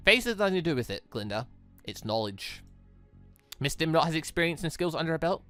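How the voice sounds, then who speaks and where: A gamer voicing a calm, cryptic male headmaster. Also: medium pitch, faint music behind. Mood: calm, knowing. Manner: measured, philosophical, unhurried. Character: calm, cryptic headmaster, measured and knowing man.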